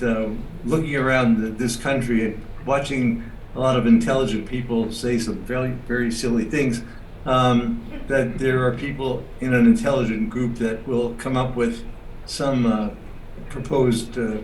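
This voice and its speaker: A man works his way toward a question in a halting, rambling manner. He sounds set back from the microphone. The call audio is echoey, with a faint hiss. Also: mid-range voice, far from the mic. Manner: rambling, halting, many fillers. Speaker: seminar participant asking a question.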